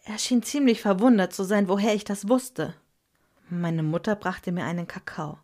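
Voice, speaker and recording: A woman narrating a scripted story in a gentle, measured storytelling manner. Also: mid-range voice.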